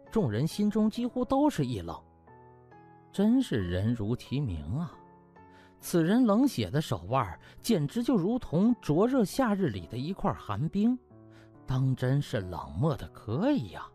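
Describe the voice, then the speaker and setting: A male audiobook narrator tells a comic story in a theatrical way. His medium-pitched voice is extremely animated, with music behind it. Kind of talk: dramatic comic scripted narration.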